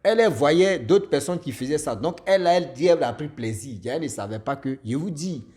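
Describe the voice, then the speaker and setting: A man telling a story in a casual, animated way, often laughing and repeating words. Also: fairly high pitch, a little fast. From Martinique and Ivory Coast parents.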